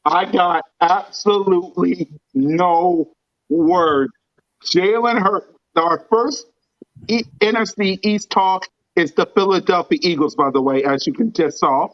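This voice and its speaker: Man, sports podcast host, hype fan energy, hoarse scratchy voice, high and slow. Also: no echo, muffled recording. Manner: excited, hype fan talk. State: scratchy voice from screaming. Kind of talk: casual sports podcast chat.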